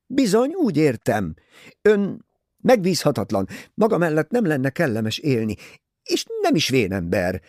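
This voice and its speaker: A man's voice: a little high, huge pitch swings, a little mellow, dry recording, studio quality, pitched above the performer's own voice. A male reader voicing a self-willed young woman in an audiobook, answering in frank, matter-of-fact retorts. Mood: earnest.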